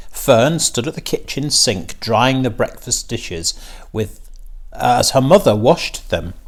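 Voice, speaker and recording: Male storybook narrator: mid-pitched, slow and measured, with very varied intonation. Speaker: story reader.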